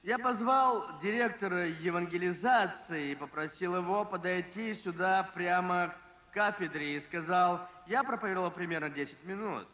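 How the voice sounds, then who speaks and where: Man, preacher, high voice, emphatic sermon storytelling, long hall reverb. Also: bright, forceful tone. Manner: emphatic, slows and drops pitch for drama.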